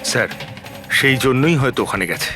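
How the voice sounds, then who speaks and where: An actor playing an alert, deferential junior police officer in a TV crime drama. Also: male voice, medium pitch, animated, fast, natural voice. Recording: loud music over the dialogue.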